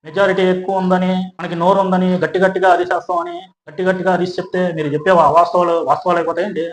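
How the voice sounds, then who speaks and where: A man giving a sarcastic opinion commentary, firing off rhetorical questions. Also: sits high. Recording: roomy echo.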